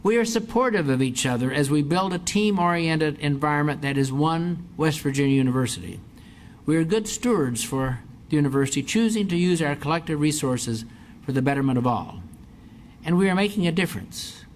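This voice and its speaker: A man's voice: a little high, lively intonation, a little fast, slight background noise. An older man, a university president, giving a formal speech and then answering audience questions, stressing points by repeating phrases. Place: auditorium with an audience.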